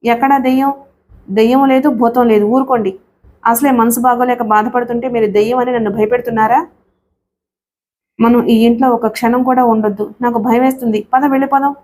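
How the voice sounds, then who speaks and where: A woman's voice: a little high, fairly even intonation, a little fast, a little mellow, slight background noise, close to an everyday voice. A woman voicing a young married woman who pleads tearfully and insists she is right, in a read-aloud story. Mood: sharp scolding.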